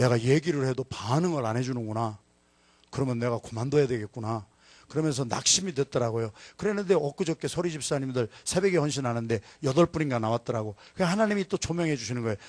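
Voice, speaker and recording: The sound is dry and close, with no echo. A man at a medium pitch talks at a very fast pace with lively intonation. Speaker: pastor. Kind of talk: sermon. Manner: animated.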